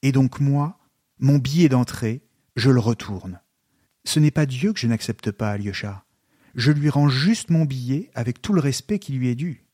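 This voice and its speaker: A man reading aloud the part of a brooding, rebellious young male intellectual, in a quiet, intense voice lower than his narration. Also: lively intonation, normal speed, no room sound, studio quality, lightly acted. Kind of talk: literary reading.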